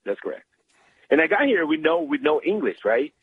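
A man from Brazil with a Brazilian Portuguese accent, a guest in an interview, talking eagerly with many halting restarts. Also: on the high side, sing-song, creaky, breathy edge. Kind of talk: interview over phone. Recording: tinny phone line.

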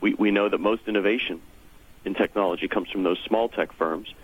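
Husky low-voiced man on a phone line. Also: fairly even intonation, a little fast. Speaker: interview guest, technology trade association representative. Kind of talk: explanatory radio interview. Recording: thin, muffled phone line.

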